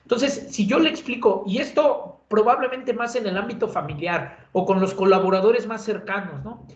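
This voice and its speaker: A man's voice: high voice, moderate pace. A man with a Mexican accent giving a conversational lecture as an instructor, with many filler sounds and tag questions. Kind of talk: lecture on communication. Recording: roomy, dull lo-fi sound.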